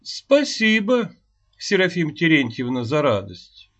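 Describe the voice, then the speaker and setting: A woman's voice: low-pitched, big pitch swings, measured pace, fairly bright tone, voice pushed up, exaggerated voice. A man voicing a distraught peasant mother who is sick and bitter, pleading and wailing. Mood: sullen. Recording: dull lo-fi recording.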